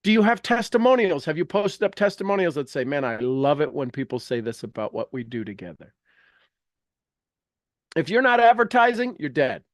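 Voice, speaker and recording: Emphatic, higher-voiced man teaching off the cuff. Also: very animated, normal speed, no echo, studio quality. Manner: emphatic, preachy, repeats phrases and questions for effect; rambling, self-interrupting. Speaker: motivational teacher reading and commenting on a self-help book. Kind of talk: informal live teaching with read-aloud passages and asides.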